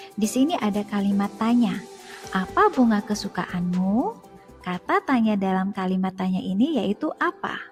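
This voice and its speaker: A woman teacher giving a children's grammar lesson in a clear, sing-song voice, stressing each question word. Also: mid-range voice, a little mellow.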